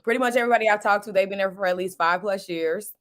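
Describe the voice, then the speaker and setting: An American woman in her thirties with a slightly hoarse voice, telling stories in an animated, slangy way as a talk show co-host. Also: mid-range voice, fast talker, crowd noise. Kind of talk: lively casual chat.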